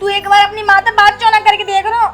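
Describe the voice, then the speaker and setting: A woman's voice: very high voice, little pitch movement, fast, fairly bright tone, faint music behind. A woman playing a meek, uneducated young village bride who pleads tearfully. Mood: hurt. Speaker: daughter-in-law. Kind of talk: rural Hindi film drama.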